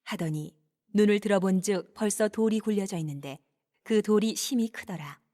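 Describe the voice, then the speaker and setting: A woman narrating scripture from a script in a measured, clearly enunciated reading style. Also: mid-range voice, warm tone.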